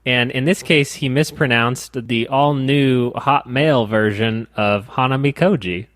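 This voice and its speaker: A man's voice: medium pitch, unhurried, a bit bright, no room sound. A man co-hosting a casual board game podcast, walking through rules step by step with some dry teasing. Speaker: podcast co-host.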